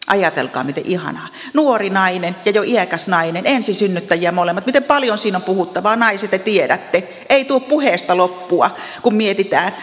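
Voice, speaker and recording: A woman with an Ostrobothnian accent, telling Bible stories in a devotional talk with chatty asides and gentle humor. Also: medium pitch, animated, few pauses, big-room sound. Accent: Ostrobothnian Finnish. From Ostrobothnia, Finland. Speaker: Bible teacher.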